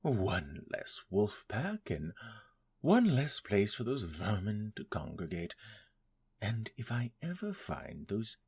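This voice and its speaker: Guy doing a pompous vengeful vampire lord for audio drama, low gravelly voice, drags out his words. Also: wildly swooping pitch, darkish tone, dry recording, studio quality, exaggerated voice. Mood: vengeful, scheming. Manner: pompous, imperious, slow and deliberate. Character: haughty, vengeful, entitled male vampire lord. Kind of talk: scripted audio drama acting.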